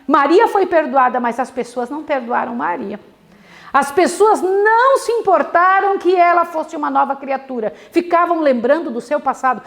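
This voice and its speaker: High, animated woman preaching. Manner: dramatic storytelling, questions to listeners. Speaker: Bible study teacher. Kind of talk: devotional Bible study sermon.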